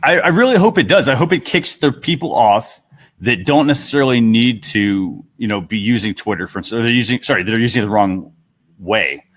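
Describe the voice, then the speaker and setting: A man's voice: medium pitch, expressive, fairly quick, a bit bright. A man hosting a talk show in a casual, conversational way, speaking on a headset.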